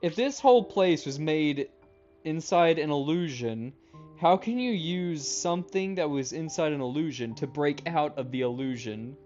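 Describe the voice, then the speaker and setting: A man streaming a game, reading its text aloud and adding excitable, jokey commentary. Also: a little high. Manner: jokey, excitable, quick asides. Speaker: gaming streamer. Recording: muffled, game music behind.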